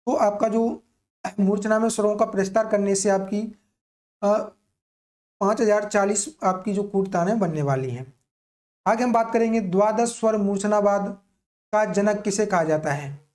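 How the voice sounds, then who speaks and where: A man's voice: high-pitched, normal speed, darkish tone. A man with an Indian accent teaching an exam-prep lesson, didactically repeating key points as questions and answers. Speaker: music teacher.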